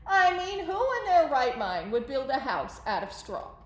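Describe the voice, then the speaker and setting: A woman's voice: sits high, sing-song, unhurried, echoey room. A woman voicing a storybook wolf who chattily protests his innocence as he tells his side. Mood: aggrieved, confiding. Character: self-justifying folksy wolf telling his side.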